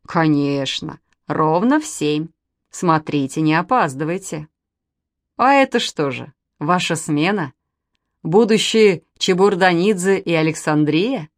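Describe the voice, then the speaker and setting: A hearty, polite middle-aged gentleman, as a woman puts him on, full of friendly exclamations in a storybook reading. His voice rises and falls a lot and sounds dry and close. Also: deep voice, lively intonation, a little slow, dry recording. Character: cheerful chess-club acquaintance, middle-aged man.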